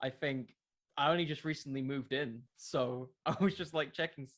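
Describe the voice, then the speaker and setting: A man with a mid-pitched voice answers questions as an interview guest. He is a podcaster and speaks in a loose, conversational way. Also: moderate pace. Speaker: podcast creator being interviewed. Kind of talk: casual interview chat.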